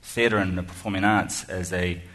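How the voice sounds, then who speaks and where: This guest speaker has a deep, steady, fairly bright voice and a New Zealand accent, keeping a moderate pace. In front of a lecture hall audience, his humorous keynote is self-deprecating and chatty, peppered with ums and restarts.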